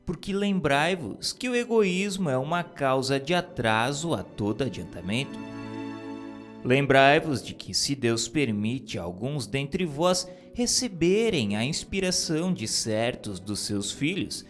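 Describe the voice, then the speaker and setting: A man reading a script of spiritual messages in a solemn, measured, preacherly manner. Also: medium pitch, big pitch swings. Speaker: narrator. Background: music.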